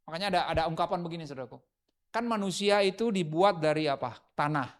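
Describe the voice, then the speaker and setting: A man preaching a sermon as pastor, often asking the congregation rhetorical questions and moving between loud emphasis and quiet asides. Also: fairly high pitch, lively intonation, fast.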